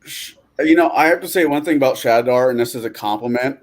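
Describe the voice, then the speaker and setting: A man chatting on a gaming podcast, animated and quick to swear. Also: mid-range voice. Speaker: podcast co-host. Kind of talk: casual podcast chat.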